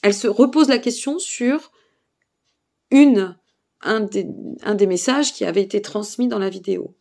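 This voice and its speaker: A woman's voice: mid-range voice, moderate pace, vocal fry, dark tone. A tired woman with a Burgundian French accent, giving spiritual guidance advice to camera, hesitant with many fillers and checking in with her listeners. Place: seated indoors.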